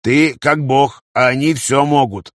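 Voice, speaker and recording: A man's voice: mid-range voice, fairly even intonation, unhurried, dry recording, studio quality, close to an everyday voice. A man voicing a terse, grumbling and earnest tribal girl in a fantasy audiobook, speaking in blunt statements. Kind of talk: audiobook character dialogue.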